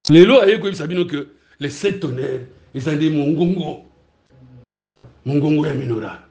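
Congolese-accented male preacher, high voice, lively teaching sermon, keeps checking the room understands, roomy echoing hall. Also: normal speed. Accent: Congolese French. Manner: animated, asks the room if it is clear, laughs between points. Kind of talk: sermon mixing teaching and questions to the congregation.

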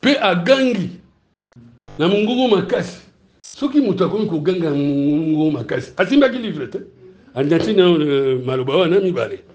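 A man with a Congolese French accent preaching a sermon, teaching in lively bursts and often asking his congregation whether it is clear. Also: a little high, normal speed, highs cut off. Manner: animated, asks the room if it is clear, laughs between points. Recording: roomy, echoey hall.

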